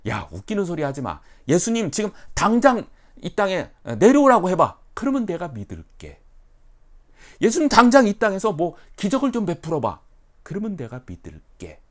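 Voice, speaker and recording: A man's voice: high-pitched, wildly swooping pitch, normal speed, voice pushed up. A man voicing a mocking male skeptic who demands a miracle before he will believe. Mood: scoffing. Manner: scoffing, loud, taunting. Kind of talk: acted quote in a sermon.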